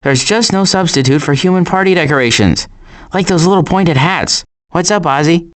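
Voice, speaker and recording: A man's voice: fairly high pitch, moderate pace, lightly acted. Man voicing a wry, wisecracking cartoon woodland critter. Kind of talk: animated video game character lines.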